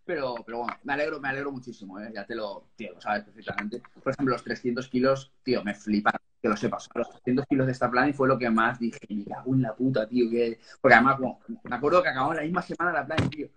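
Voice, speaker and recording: A young man in his twenties from Spain hosting a live video call chat, excitable and repeating himself as he talks. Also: medium pitch, a little hiss or hum, rough recording. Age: 20s. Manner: quick, excitable, repeats words. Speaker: channel host. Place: small room indoors. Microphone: webcam on a video call.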